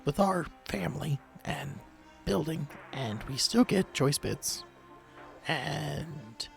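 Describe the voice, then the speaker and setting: A man voicing a careful male go-between in a tabletop game, haltingly relaying terms in a thin, breathy voice. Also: on the high side, pitched above the performer's own voice, heavily acted. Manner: halting, piecing sentences together.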